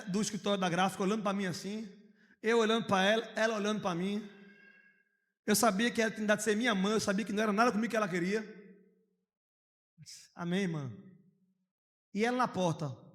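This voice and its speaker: A man preaching a sermon as pastor, telling personal stories, moving between hushed storytelling and loud outcries. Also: sits high, steady tone, fast talker, long pauses. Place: church hall. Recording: long reverb of a church hall.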